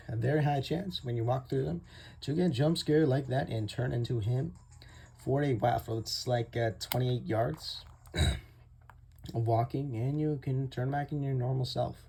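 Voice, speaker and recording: A man's voice: medium pitch, darkish tone, breathy edge. A young man giving casual, chatty commentary over his own gameplay, often laughing and talking to viewers as "guys". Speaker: gaming YouTuber. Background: faint game music.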